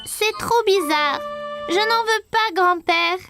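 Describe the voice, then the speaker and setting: Brief: very high-pitched, unhurried cartoon boy of four, curious and timid, voiced by an adult, music underneath. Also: exaggerated voice. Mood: chatty. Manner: earnest, questioning, easily worried. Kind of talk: cartoon dubbing.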